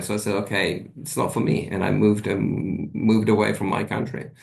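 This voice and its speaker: A man speaks at a fairly quick pace, his voice carrying audible room echo. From Italy. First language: Italian. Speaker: panel speaker on art careers. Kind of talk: panel discussion answer. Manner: halting, many fillers and repetitions.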